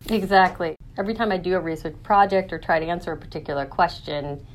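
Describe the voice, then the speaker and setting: Female researcher, very low pitch, explanatory interview talk, faint background noise. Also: fast, rough recording. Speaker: academic researcher, interview guest.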